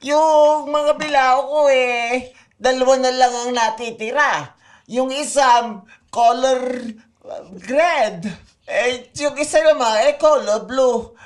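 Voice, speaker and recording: A woman's voice: sits high, slow pace. A woman voicing a friendly male snack vendor with a hesitant drawl in an improvised radio drama.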